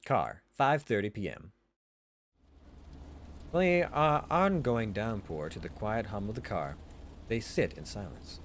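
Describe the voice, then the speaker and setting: A man's voice: fairly low pitch, big pitch swings, measured pace, long pauses, a little hiss or hum. A man narrating a visual novel aloud in an informal way, correcting himself as he reads.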